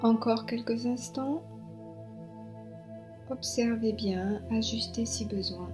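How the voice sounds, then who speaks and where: A woman guiding a yoga relaxation meditation as an instructor, giving soothing, unhurried instructions with long pauses. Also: on the high side. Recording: soft new-age music behind. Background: new-age relaxation music.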